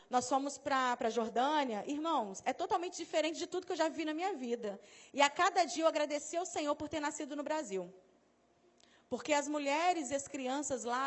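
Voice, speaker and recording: A Brazilian woman with a Rio de Janeiro accent giving a lively talk to a church audience, acting out dialogue as she tells stories. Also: sits high. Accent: Carioca Portuguese. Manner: animated storyteller, acts out dialogue, laughs often. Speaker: speaker at a mission course.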